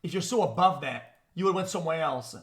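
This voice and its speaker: A man on a live stream reacts to a video with a rapid, profane rant aimed at his chat. his voice sits a little above the usual pitch, and he stumbles over and repeats his words as he pushes his argument. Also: expressive.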